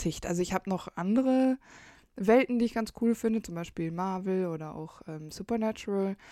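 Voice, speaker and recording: A woman with a dark, mellow tone speaks at medium pitch with ordinary pitch variation and big swings in loudness, dry and close with no echo on a very clean recording with a silent background. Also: moderate pace. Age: 20s. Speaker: podcast co-host. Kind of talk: casual chat.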